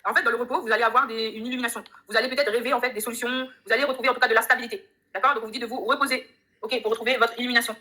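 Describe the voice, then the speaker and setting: A fast-talking woman reads tarot cards live from her home and talks straight to her viewers. Her voice is bright and a little high, and she keeps the tone chatty and upbeat. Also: steady tone. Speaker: tarot reader on a live stream. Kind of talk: live tarot reading chat.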